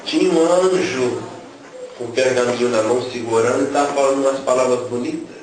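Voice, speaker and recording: A man's brisk, mid-range voice carries an emotional religious testimony as he tells his story and acts out what was said. The recording comes from a noisy, echoey room and sounds far off.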